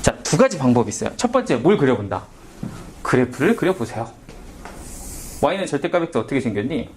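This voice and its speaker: A man's voice: medium pitch, big pitch swings, brisk, slight background noise. A man teaching a math lesson in a casual, questioning way, often asking and answering himself. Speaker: math tutor. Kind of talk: whiteboard math lecture.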